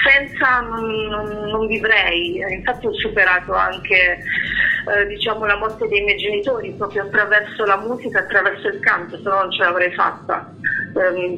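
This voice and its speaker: A woman from Germany with a German accent, speaking as an interviewed singer and hesitantly searching for words. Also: mid-range voice. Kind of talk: conversational interview. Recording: dull lo-fi radio-like sound.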